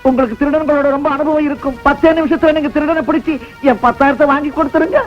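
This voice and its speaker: A man's voice: very high-pitched, fairly even intonation, fast talker, soft background music. An actor playing a retired male schoolteacher, older, earnestly pleading with a police officer. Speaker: retired school teacher robbed of savings. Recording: dull old film soundtrack.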